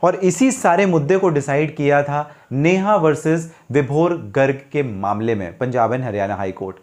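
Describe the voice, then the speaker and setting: An Indian man with a slightly high voice explains legal matters to viewers. He is didactic, setting up questions and answering them himself, and drops English legal terms into his speech. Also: moderate pace, a little mellow. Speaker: legal advice channel host explaining law.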